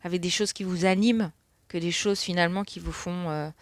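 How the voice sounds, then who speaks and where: Woman, middle-aged, card reader, rambling, lots of fillers, low-ish pitch, dry close sound. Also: steady tone, a little fast, dry recording. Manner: rambling, many fillers, laughs at herself. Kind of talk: casual spoken card reading.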